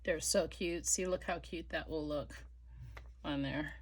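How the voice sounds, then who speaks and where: A middle-aged woman chatting casually while she crafts, rambling with many fillers and dropping to soft murmurs as she works. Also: low voice, steady tone, a little slow, slight background noise. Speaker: crafting vlogger.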